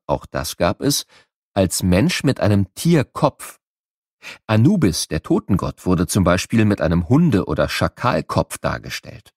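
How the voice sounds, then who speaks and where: Lively male narrator, dry studio sound. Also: low-pitched, no echo. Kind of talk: scripted children's educational audiobook narration.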